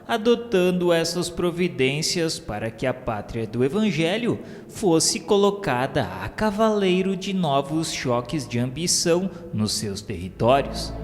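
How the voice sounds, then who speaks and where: A Brazilian man narrates a radio serial with solemn, declamatory formality. His pitch is average and his pace is slow and measured. The voice rings with long reverb over clearly audible instrumental music. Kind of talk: solemn scripted audiobook-like narration of a literary text.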